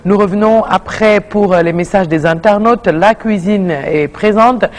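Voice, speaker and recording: A man's voice: sits high, measured pace. A male morning TV show host from Senegal, joking and teasing his guests. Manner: jokey and teasing. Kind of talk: playful host banter.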